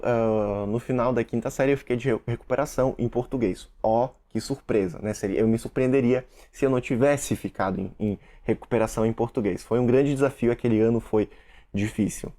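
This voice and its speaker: A man's voice: mid-range voice, fairly quick, mellow. A man from Russia, a Russian teacher and content creator with Russian as his first language, talking casually to camera and explaining with examples and asides to viewers.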